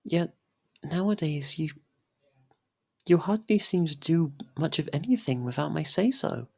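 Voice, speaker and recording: A performer voicing a possessive, lovestruck young faerie royal in an intimate ASMR roleplay, speaking softly and haltingly. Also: medium pitch, animated, vocal fry, no room sound. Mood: tender, concerned. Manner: hesitant, halting, soft and pleading.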